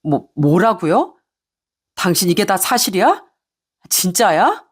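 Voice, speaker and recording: A woman's voice: lowish voice, very animated, slow, husky, exaggerated voice. A woman voicing an exasperated young husband who demands answers from his wife. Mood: angry.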